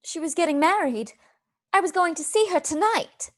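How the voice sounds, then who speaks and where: An actress playing a gentle, loyal and composed young wife in a theatrical radio play. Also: female voice, very high-pitched, lively intonation, moderate pace. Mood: shocked, grieving. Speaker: actor in a live radio play. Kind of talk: theatrical radio drama acting.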